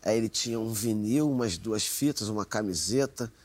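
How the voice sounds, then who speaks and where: A man's voice: lowish voice, normal speed. Wry carioca man spinning band stories. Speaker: band member, guest. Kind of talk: casual storytelling in an interview.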